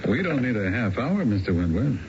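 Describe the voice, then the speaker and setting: A brash, streetwise male crook from a seventies radio play, acted by a man, swinging up and down in pitch as he talks slick slang. The old broadcast is muffled and quite noisy. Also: big pitch swings, a little fast, natural voice. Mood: brisk, businesslike. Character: cocky, smooth-talking small-time male thief and hustler. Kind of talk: 1970s radio drama acting.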